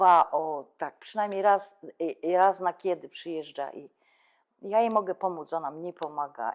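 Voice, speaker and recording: A woman is speaking. Her pace is fairly slow. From Upper Silesia, Poland. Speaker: actress. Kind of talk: casual interview chat. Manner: hesitant with fillers.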